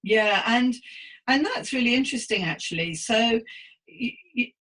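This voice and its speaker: A woman's voice: fairly high pitch, expressive, measured pace, fairly bright tone. Woman around 60, podcast host. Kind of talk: scripted intro and chatty interview hosting.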